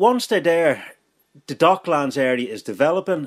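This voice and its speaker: The speaker has an Irish accent and talks at a moderate pace. The intonation is lively. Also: man, very clean recording, silent background. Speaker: local historian. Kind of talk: radio interview.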